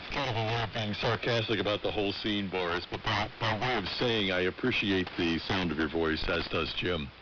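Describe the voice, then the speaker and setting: A ham radio operator from the United States chatting casually on the air, with a measured broadcast-trained delivery. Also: male voice, on the low side. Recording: dull shortwave radio with static.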